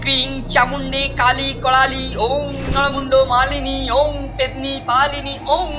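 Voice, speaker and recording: A woman's voice: high voice, completely flat delivery, unhurried. A woman voicing a bossy, boastful schoolboy in a children's cartoon, with pompous, theatrical phrasing. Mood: theatrical chanting. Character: bossy, boastful older schoolboy dabbling in spells. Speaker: cartoon voice actor. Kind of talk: exaggerated children's cartoon acting. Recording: background music under the voice.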